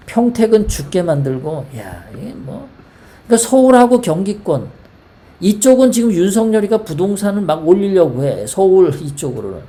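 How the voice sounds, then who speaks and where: Korean lady ranting about politics, lowish mellow voice, fired up, rambling, keeps asking questions back. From South Korea. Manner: heated, rambling, full of rhetorical questions. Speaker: political commentary host. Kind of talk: casual political monologue.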